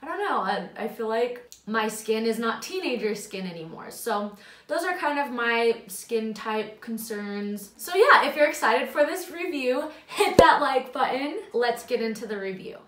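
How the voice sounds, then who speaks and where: A woman in her twenties reviewing makeup in a casual, chatty way at home, her voice slightly raspy from the morning. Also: a little high, lively intonation, measured pace, fairly bright tone, echoey room, distant mic. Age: 20s. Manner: chatty, filler-heavy, self-deprecating. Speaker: beauty vlogger.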